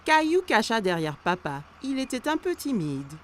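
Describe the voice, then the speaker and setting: A woman reading scripted narration for a children's cartoon in a clearly phrased storytelling manner. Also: on the high side, big pitch swings, normal speed, a little hiss or hum. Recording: music behind the voice. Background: background music.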